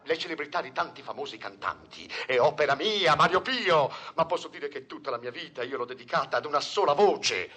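An actor playing a pompous, melodramatic opera conductor who talks in grand, theatrical phrases and grows exasperated. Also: male voice, fairly high pitch, lively intonation, a little fast, few pauses, sharp tone, slightly rough, heavily acted. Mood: grandiose. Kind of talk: comic sketch dialogue.

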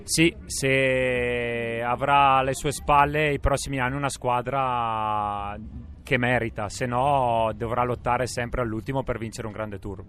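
A man's voice: mid-range voice, steady tone, unhurried, fairly bright tone. An Italian man, a former athlete, giving unscripted expert answers in a sports interview.

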